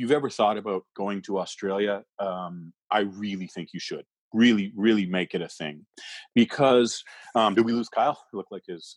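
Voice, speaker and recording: A man with a western Canadian accent and fairly low pitch, at a moderate pace with ordinary pitch variation and big swings in loudness, in a dry, close sound with no echo. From Edmonton, Alberta, Canada. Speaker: stand-up comedian. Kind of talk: casual chat. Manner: animated.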